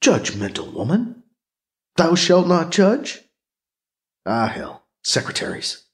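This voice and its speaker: A man's voice: a little high, huge pitch swings, slow, exaggerated voice. A man voicing a suspicious, sarcastic male Catholic priest with a wary, sardonic, terse way of talking, in a science fiction audiobook. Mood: wary, muttering.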